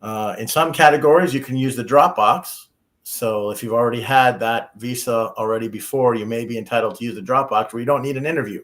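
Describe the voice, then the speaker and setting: A man's voice: medium pitch, brisk, a bit bright. A man from the United States, an immigration attorney giving practical advice on a talk show, often restarting his sentences. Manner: practical, repeats himself when starting sentences.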